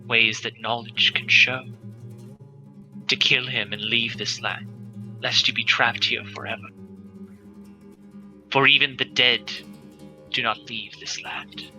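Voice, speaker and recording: A solemn, cryptic fortune-telling woman of a tabletop fantasy game, played by a man, speaks low and hushed. Each grave warning is delivered with ominous weight, over soft plucked guitar music. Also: steady tone, poor audio. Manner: slow, grave, hushed pronouncements.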